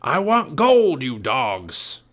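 A huge, mean pirate captain for a children's storybook. He growls and roars in a bullying manner, with slow, drawn-out words and big swings in pitch. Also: huge pitch swings, a bit bright, full character voice. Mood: gruff, roaring.

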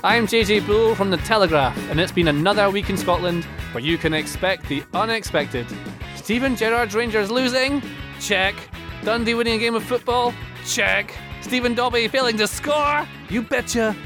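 A male podcast host with a fairly high-pitched voice presents football news and banters with his guest. It is a studio recording, with some music behind him. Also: normal speed.

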